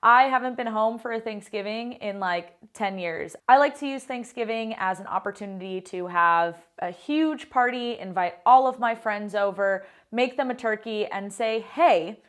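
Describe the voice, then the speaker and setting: A woman's voice: a little high, moderate pace, hardly any pauses, fairly bright tone. An American woman in her thirties, a pastry chef hosting a casual home cooking tutorial in her kitchen, upbeat and chatty with lots of "like" fillers. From United States. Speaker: baker and pastry chef, cooking show host.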